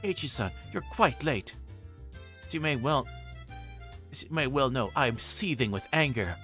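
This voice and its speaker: A man's voice: medium pitch, lively intonation, measured pace, a bit bright, faint music behind, voice pushed up. A man voicing a haughty schoolgirl in a visual novel, scolding with prim mock politeness.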